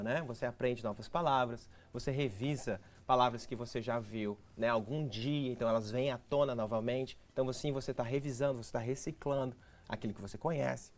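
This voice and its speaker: Brazilian man explaining patiently. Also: medium pitch. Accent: Brazilian Portuguese. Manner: didactic, explains step by step with practical tips. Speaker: English teacher, interview guest. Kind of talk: TV studio interview answers.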